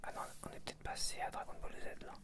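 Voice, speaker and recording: A man speaking in a breathy, intimate whisper, casually commenting unscripted for ASMR as if to one listener. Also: quick pace. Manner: hushed, intimate, addressing one listener informally. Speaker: ASMR video creator.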